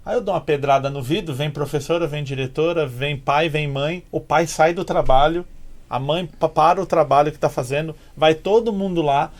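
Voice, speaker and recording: A man's voice: fairly high pitch, moderate pace. Brazilian man giving school examples. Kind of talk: casual podcast chat.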